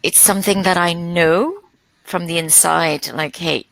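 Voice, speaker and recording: Panel guest: hesitant woman, unhurried, gravelly, close and dry. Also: fairly low pitch, steady tone, fairly bright tone, dry recording, low-quality recording. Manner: hesitant, searching for words. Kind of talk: reflective conversation.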